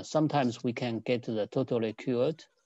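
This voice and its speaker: A man with a Chinese accent, a dark, mellow tone and vocal fry, at a moderate pace, with a quiet background and dry sound with no echo. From China. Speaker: neurosurgeon; webinar lecturer answering questions. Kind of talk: panel discussion; interview answer. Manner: halting. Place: home room. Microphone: earbuds.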